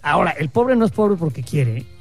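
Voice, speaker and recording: A man's voice: on the high side, sing-song, a little fast, faint music behind. Mexican guy ranting on a talk show, swears a lot, blunt and emphatic. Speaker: co-host. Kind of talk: casual opinion commentary.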